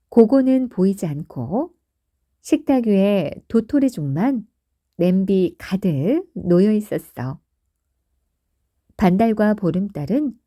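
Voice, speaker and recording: Female bedtime-story narrator: soothing, very slow, deep mellow tone, close and dry. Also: no echo. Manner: soft, soothing, lilting.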